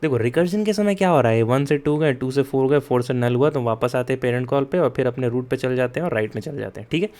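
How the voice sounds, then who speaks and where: A young man teaches coding in a relaxed, conversational Hindi-English mix, dropping "yaar" and "theek hai?" often. He talks straight to his students, checks they're keeping up, and moves slowly so they can write things down. His voice is mid-range with a darkish tone.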